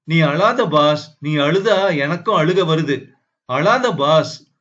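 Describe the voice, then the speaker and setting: A man voicing an affectionate, childlike young woman who pleads tenderly in a slow storybook reading. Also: high-pitched, animated, fairly bright tone, lo-fi sound, pitched above the performer's own voice. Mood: tender, pleading. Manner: pleading, tender, calls him "boss".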